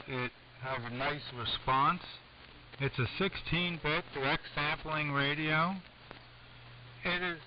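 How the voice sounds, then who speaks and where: A man's voice: fairly high pitch, highs cut off. American man on noisy shortwave radio. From United States. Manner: rambling, halting. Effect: AM shortwave radio transmission. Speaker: amateur radio operator. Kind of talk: casual chat over ham radio. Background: steady radio noise.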